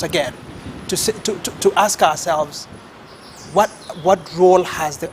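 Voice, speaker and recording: Kenyan male guest expert, high voice, measured and formal delivery. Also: a little hiss or hum. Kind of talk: studio talk show discussion.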